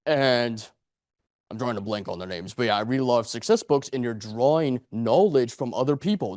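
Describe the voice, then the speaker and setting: At a speakers club, a man in his late twenties gives an earnest, rambling motivational speech to a live audience in a meeting room, full of rhetorical questions and repetition. He speaks in a mid-range voice with a darkish tone. The sound is dry and studio-clean.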